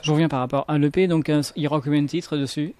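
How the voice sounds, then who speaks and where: A French man hosting a local radio show, asking polite, halting questions with many fillers. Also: fairly high pitch, steady tone, mellow. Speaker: radio host.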